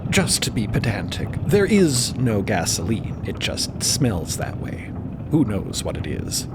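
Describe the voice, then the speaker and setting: Lively-pitched, slow-paced male narrator. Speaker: podcast narrator and host. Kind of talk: fiction podcast narration with asides. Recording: loud ambient rumble behind voice.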